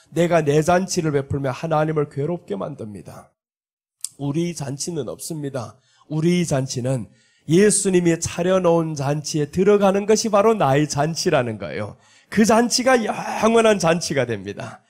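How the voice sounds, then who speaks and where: A man's voice: high-pitched, a little mellow. A male pastor preaching a revival sermon with emphasis, acting out the lines of the people in his story. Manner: emphatic, acts out quoted lines.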